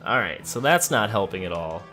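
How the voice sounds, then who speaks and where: In a fairly low, sing-song voice that's bright and forceful, a gamer offers brisk let's play commentary. He talks his way through the game and addresses its characters, backed by faint music.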